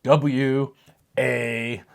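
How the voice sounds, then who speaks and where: American guy co-hosting a casual q&a, jokey and self-deprecating, mid pitched voice. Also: level tone, very slow, creaky, a crowd in the background. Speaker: co-host reading viewer questions. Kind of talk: casual chat.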